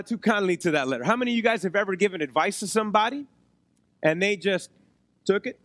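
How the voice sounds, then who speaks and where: Hoarse, higher-pitched man preaching. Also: a bit bright, no echo. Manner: conversational, checks in with rhetorical questions. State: hoarse, losing his voice, occasional cough. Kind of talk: sermon to a congregation. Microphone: close microphone on a PA.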